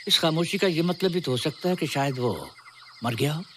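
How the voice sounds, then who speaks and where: An actor playing a senior official who asks questions in a measured way, in film dialogue. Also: male voice, a little high, animated, slight background noise, close to an everyday voice. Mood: inquiring.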